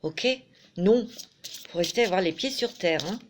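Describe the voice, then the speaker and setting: A woman's voice: lowish voice, unhurried, noisy background. A woman doing a tarot and oracle card reading for her viewers, chatting fondly and reading card messages aloud. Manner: chatty, fond, peppered with "hein", reads card texts aloud. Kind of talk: casual spoken card reading.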